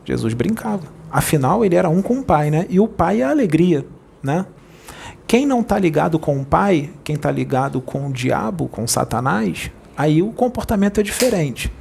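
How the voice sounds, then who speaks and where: A man with a Brazilian Portuguese accent, a spirit medium preaching informally in a playful, jokey way that rushes over his words. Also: fairly high pitch, sing-song, creaky, darkish tone, slight background noise.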